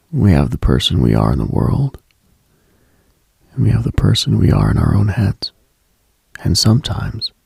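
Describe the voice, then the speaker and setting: A late-night radio host, a man with a very low voice full of heavy vocal fry. He muses in a hushed, husky murmur, leaving long pauses, recorded close and dry. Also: no echo. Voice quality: husky, gravelly, breathy. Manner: hushed, musing, pausing often. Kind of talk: slow late-night mystical radio monologue, ASMR-like.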